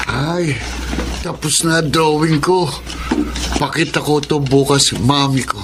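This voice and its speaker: A man playing a gentle, childlike autistic son in a radio drama, with simple childish phrasing. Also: on the high side, steady tone, slow pace, loud music behind the voice. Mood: childlike, sleepy. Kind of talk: Tagalog radio drama acting.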